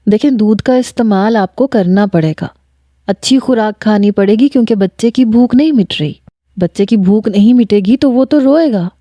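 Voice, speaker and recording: A matter-of-fact male doctor read by a woman narrator explains things in an instructive way. The voice is dark and mellow, and the recording is dry. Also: mid-range voice, no room sound, close to an everyday voice.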